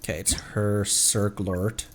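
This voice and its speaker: A man's voice: lowish voice, level tone, slow, slight background noise. A man livestreaming a video game, chatting casually and thinking aloud in a rambling way as he plays. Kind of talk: casual gameplay stream commentary.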